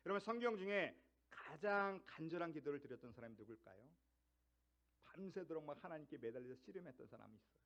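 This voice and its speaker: A man's voice: a little high, expressive, quick pace, a bit bright. A middle-aged male pastor delivering a Sunday sermon in a slightly raised voice. He drives his points home with chains of rhetorical questions that swell to emphatic peaks. The recording is dull and muffled.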